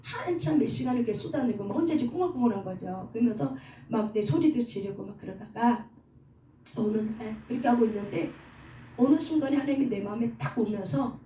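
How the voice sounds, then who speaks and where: A middle-aged woman preaches a sermon, pitched a little high with a warm, mellow tone. She keeps putting questions to her listeners and leading them to repeat after her. Her voice comes from some way off the mic in a roomy hall, with faint noise underneath. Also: a little fast. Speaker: preacher at a prayer house. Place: prayer hall indoors. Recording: echoey hall, voice from far off, faint background noise.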